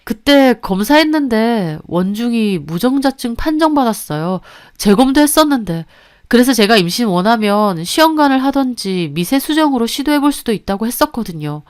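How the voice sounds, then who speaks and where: A calm doctor friend, voiced by a woman explains things in a polite, measured way in a radio-style story. The voice is slightly high and even-tempered. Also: dry recording, studio quality, natural voice.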